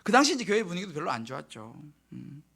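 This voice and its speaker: A male pastor preaching a midweek sermon, telling a personal story with lively delivery and acting out his own prayers in hushed tones. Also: high-pitched, fast. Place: church sanctuary.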